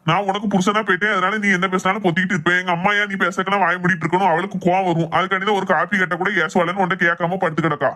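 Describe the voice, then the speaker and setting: A woman's voice: fairly low pitch, fairly even intonation, very fast, hardly any pauses, pushed and bright. A woman playing an exasperated middle-aged husband, grumbling and sarcastic. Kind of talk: comic family skit.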